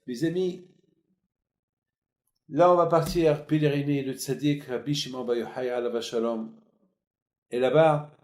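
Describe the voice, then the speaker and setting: A man's voice: mid-range voice, darkish tone. A man, a rabbi, giving a sermon with emphatic, repetitive phrasing. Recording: echoey room.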